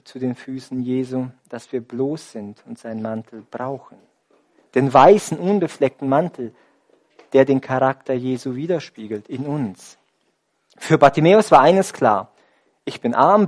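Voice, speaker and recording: A male preacher in the middle of a sermon, his voice sitting at an ordinary middle pitch. He throws rhetorical questions at the congregation and moves from forceful, raised emphasis down to a hushed near-whisper. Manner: dramatic swings from loud emphasis to near whisper.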